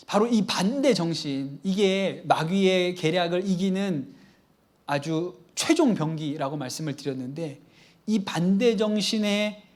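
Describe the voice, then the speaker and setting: A middle-aged male pastor preaching a Friday evening sermon, telling stories lively and acting out bits of dialogue. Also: a little high. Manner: lively storytelling, acts out dialogue.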